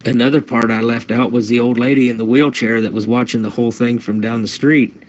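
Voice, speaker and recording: Deadpan bragging man. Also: mid-range voice, fairly quick, dull audio, slight background noise. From Chicago. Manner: deadpan boasting, stammering restarts. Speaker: co-host. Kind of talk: comedic banter.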